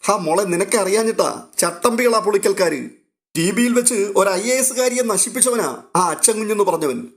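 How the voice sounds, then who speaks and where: A man's voice: sits high, expressive, normal speed, pitched above the performer's own voice. A man voicing an agitated, protective old grandfather who speaks bluntly and urgently in a storybook reading. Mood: agitated warning. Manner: urgent, warning tone.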